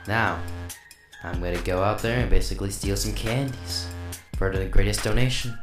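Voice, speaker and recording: This is a boastful young school bully from a homemade cartoon, played by a man. He speaks low in a roomy, echoing recording with music behind, and he rambles with plenty of fillers. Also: steady tone, moderate pace, lightly acted. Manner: rambling, overuses "basically". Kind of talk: amateur animation voice acting.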